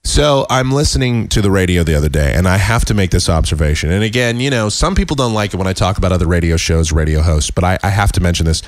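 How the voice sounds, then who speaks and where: A man hosting a casual sports podcast, hoarse and sick with a cold, talking in a rambling, self-deprecating way with many halting restarts. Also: low-pitched, animated, no room sound. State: hoarse, losing his voice. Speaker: podcast host.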